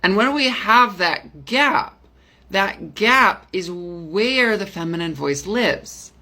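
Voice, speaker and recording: A young woman voice coach explaining vocal technique in a casual, demonstrative way, switching into falsetto and chest voice. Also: expressive, takes it slowly, bright, forceful tone. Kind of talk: explaining vocal technique simply with sung examples.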